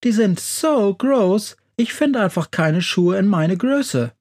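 A man voicing a big, hairy, soft-hearted male monster who loves fancy shoes, in a children's audio story. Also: sits high, slow, voice pushed up, full character voice. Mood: sheepish. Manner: bashful, excitable, tearful.

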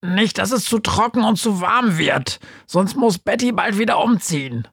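A man's voice: high-pitched, animated, moderate pace, creaky, a bit bright, breathy edge, no echo, clean studio sound, voice pushed up, full character voice. A man doing a harried armless ghost. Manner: harried, bossy calling out. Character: grumpy armless little flying house ghost. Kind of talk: audiobook character voice.

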